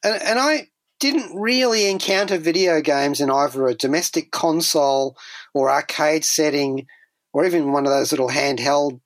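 A man's voice: a little high, moderate pace, no echo. Wordy, whimsical male radio host, dry studio sound. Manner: wordy, whimsical, wry asides. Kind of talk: chatty pop culture radio presenting.

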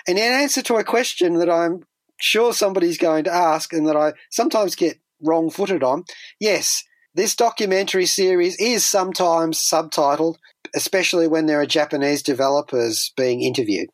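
A man's voice: fairly high pitch, normal speed, no echo. A man hosting a pop culture radio show in a chatty, wordy way, with whimsical turns of phrase and wry asides. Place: dry radio studio.

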